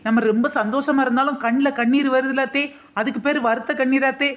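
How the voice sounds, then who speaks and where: A woman's voice: high voice, fairly even intonation, a little fast, close to an everyday voice. A woman voicing a cheeky young daughter-in-law in a cartoon comedy, making innocent-sounding excuses.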